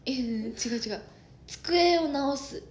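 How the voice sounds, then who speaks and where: A woman's voice: sits high, takes it slowly, slight background noise. Giggly young-sounding woman. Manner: giggly, excitable, breaks into laughter. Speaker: idol trainee livestreaming. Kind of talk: casual chat.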